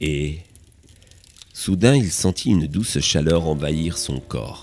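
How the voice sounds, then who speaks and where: A man talks with lively intonation. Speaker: storyteller narrator. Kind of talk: story narration.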